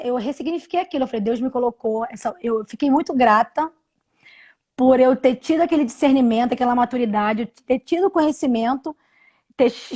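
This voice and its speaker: High-voiced woman in her thirties. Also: a little mellow. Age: 30s. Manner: halting, many restarts and repeated words. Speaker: interview guest. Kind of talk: personal story on a live video call. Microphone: video call from home.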